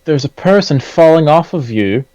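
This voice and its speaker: A man's voice: on the high side, lively intonation, moderate pace, a little mellow, no echo, pitched above the performer's own voice, lightly acted, rough recording. A man doing a British-accented animal-loving elf. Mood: easygoing. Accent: put-on British. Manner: casual, offhand. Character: easygoing male elf who loves animals.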